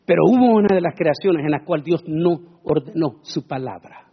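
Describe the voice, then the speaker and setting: Fiery high-voiced preacher, husky and lively. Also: male voice, moderate pace, muffled recording. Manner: dramatic, shouting proclamations in a high voice. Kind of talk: sermon.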